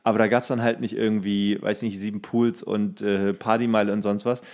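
A man's voice: lowish voice, flat delivery, fairly quick, darkish tone. A man co-hosting a podcast, chatting casually and humorously in a colloquial, rambling way with mock-strict asides. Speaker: podcast co-host.

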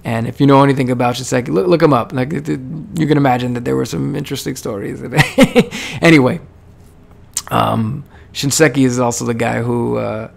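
A man's voice: mid-range voice, steady tone, brisk, creaky. A man who served in the army, telling stories in a rambling, casual way with many fillers and restarts. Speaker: podcast host; army veteran. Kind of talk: casual storytelling monologue.

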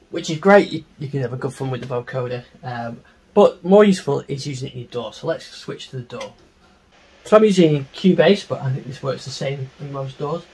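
Middle-aged man, mid-pitched voice, informal tutorial presenter, unscripted explanations, handheld mic, faint room noise behind. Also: a little mellow. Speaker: music software tutorial presenter. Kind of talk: informal screen-share tutorial. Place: small home studio room.

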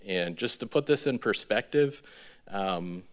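A man in his thirties giving an informal presentation as a developer, in a halting, hesitant way with many ums. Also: fairly low pitch, expressive. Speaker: real estate developer presenting a project. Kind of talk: informal public presentation with slides. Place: large indoor meeting room with seated audience. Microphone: podium gooseneck microphone.

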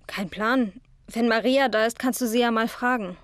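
A woman's voice: on the high side, normal speed, slight background noise, close to an everyday voice. A woman playing a concerned, bewildered teenage schoolgirl in a horror audio drama, speaking caringly and hesitantly. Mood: subdued.

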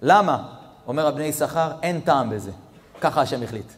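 A man, a rabbi, giving a storytelling sermon that swings between hushed passages and near-shouted peaks, talking straight to his audience. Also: fairly high pitch, lively intonation. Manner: addresses audience directly. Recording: long reverb of a hall.

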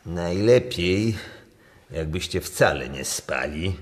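A man playing a severe, accusing commission chairman in a radio drama, speaking slowly and moralizing. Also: low voice, expressive. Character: stern, accusing male chairman of a state commission. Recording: long hall reverb.

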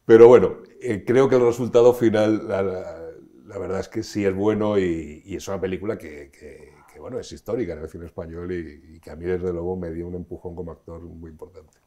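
A man's voice: deep voice, warm tone. A middle-aged man from Spain, an actor being interviewed, telling stories expansively with frequent restarts. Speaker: actor, guest. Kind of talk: conversational interview.

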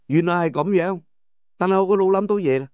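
A man with a Cantonese accent narrating a novel in the first person, in an expressive, dramatized storytelling manner. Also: high-pitched, quick pace, clear, resonant tone, dry recording, dull audio. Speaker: audiobook narrator.

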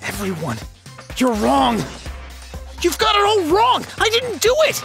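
A man's voice: very high-pitched, huge pitch swings, unhurried, creaky, exaggerated voice. A man voicing an earnest teenage boy in a video game, talking in a pleading, urgent way. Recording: game audio over music.

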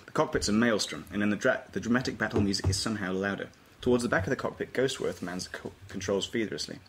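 A man's voice: lowish voice, quick pace. A man reading stage directions as scripted narration at an informal table read. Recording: faintly noisy table read recording.

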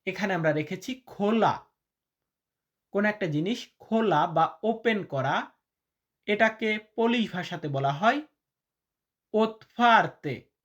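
A man teaching vocabulary in a lesson, repeating each word slowly and deliberately, chatty and calling his listeners brother. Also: sits high, animated, dull audio. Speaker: language teacher.

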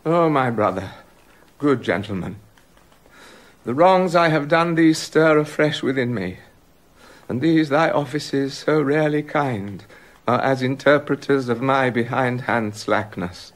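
An actor playing a remorseful king in a radio drama, halting and stammering with emotion. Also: mid-range voice, lightly acted. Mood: tender. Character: remorseful king, haunted by guilt.

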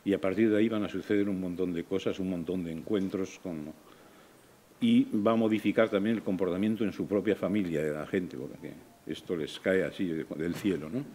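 An older man, interviewing a director with measured, leading questions in a small festival room. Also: sits low, dark tone.

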